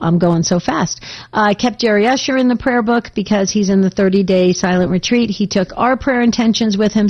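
Slightly raspy woman radio host. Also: medium pitch, dull audio. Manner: warm earnest, repeats words while thinking. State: tired voice from long broadcasting. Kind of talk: live call-in prayer radio show.

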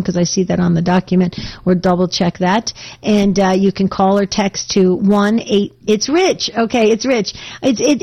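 A woman hosting a live call-in prayer radio show, her voice slightly raspy from a long day on air, earnest and often repeating words as she gathers her thoughts. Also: medium pitch, dull audio. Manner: warm earnest, repeats words while thinking. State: tired voice from long broadcasting. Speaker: radio host.

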